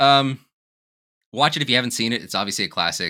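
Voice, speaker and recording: A man speaks at a fairly low pitch in a bright, sharp tone. The recording is very clean with a silent background and a dry, close sound with no echo. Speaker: podcast host. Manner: fast talker on mic.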